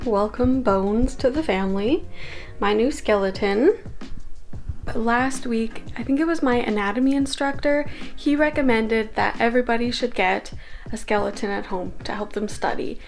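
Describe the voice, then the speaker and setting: Chatty young woman with a gravelly edge. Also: a little high. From Canada. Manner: chatty, filler-heavy with many "like"s. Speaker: vlogger. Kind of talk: casual day-in-the-life vlog.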